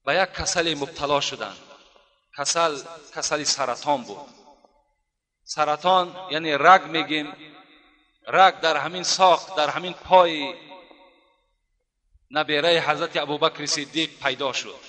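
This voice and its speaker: A man delivers a sermon as a story, drawing out the recited prayers. His voice sits a little high and sounds bright and sharp. A long reverb trails behind his words, as in a large hall. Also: pauses often. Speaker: preacher.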